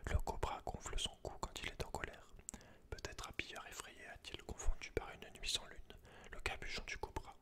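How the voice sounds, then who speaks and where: Whispering man, breathy ASMR. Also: moderate pace. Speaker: ASMR creator. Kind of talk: whispered ASMR read-aloud with casual asides.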